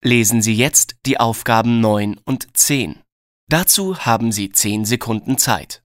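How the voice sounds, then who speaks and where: Dry close sound, neutral formal narrator reading exam instructions, mid pitch. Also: measured pace, no echo. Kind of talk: scripted listening test instructions.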